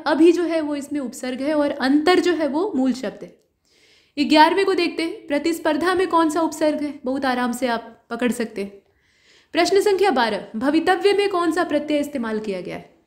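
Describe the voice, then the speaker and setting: A woman teacher going through mock exam questions one by one, explaining each answer to the viewer in a steady, direct way. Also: high voice, reverberant.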